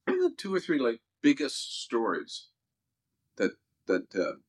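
A man's voice: medium pitch, wildly swooping pitch, unhurried. A man hosting an interview, asking easygoing questions with hesitant fillers. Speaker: interviewer, podcast host. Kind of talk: conversational interview.

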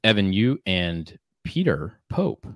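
A man co-hosting a casual podcast, talking in a halting way with many fillers and restarts. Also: low-pitched, big pitch swings, dry recording, clean studio sound. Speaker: podcast co-host. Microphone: podcast microphone.

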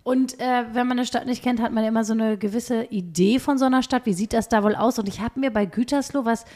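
A woman's voice: on the high side, steady tone, brisk, a little mellow. A woman co-hosting a podcast in casual conversation at a home. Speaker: podcast co-host. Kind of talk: casual chat. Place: indoors at a home.

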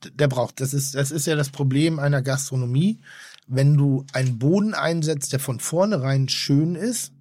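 A man's voice: mid-range voice, moderate pace, a little mellow. A man co-hosting a casual podcast, rambling and effusive, often trailing off and restarting his sentences.

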